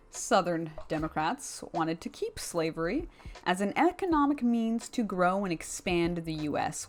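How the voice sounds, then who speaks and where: A woman speaks in a somewhat low register, addressing her viewers directly. She delivers opinionated commentary in a casual, slangy way and leans on her points with emphasis. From Canada. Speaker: video commentary host.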